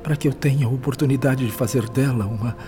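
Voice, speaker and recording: A Brazilian man acting in a radio drama as a penitent, devoted benefactor spirit, pleading slowly and solemnly. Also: medium pitch, natural voice. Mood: earnest, hopeful. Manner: solemn, slow, earnest pleading. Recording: music behind the voice. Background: music.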